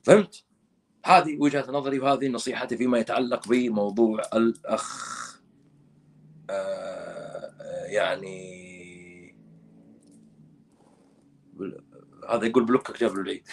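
A man giving casual commentary, animated and scolding, with emphatic oaths. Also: lowish voice, unhurried, pauses often, slight background noise.

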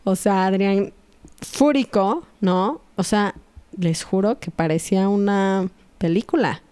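A woman in her thirties with a Mexican accent, telling a spiritual story to her audience in a casual, animated, confiding way. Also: medium pitch, unhurried, clean tone. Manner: animated, confiding, often asks "right?".

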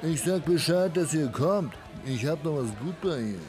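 A man's voice: fairly high pitch, animated, normal speed, lightly acted. A man voicing an easygoing, joking pub landlord in an audio drama. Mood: teasing. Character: jovial, teasing pub landlord, an old pal.

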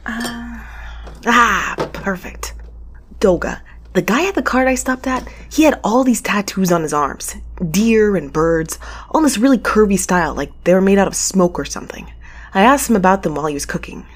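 A woman's voice: medium pitch, animated, normal speed, close to an everyday voice. A woman playing a casual, wry young space courier who rambles informally in an audio drama. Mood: chatty. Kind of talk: naturalistic audio drama acting, logging aloud.

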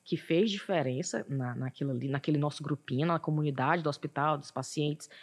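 A woman, a guest in an interview, telling her story in a reflective, animated way. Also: low-pitched, brisk, slightly rough. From Northeast Brazil. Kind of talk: casual interview talk.

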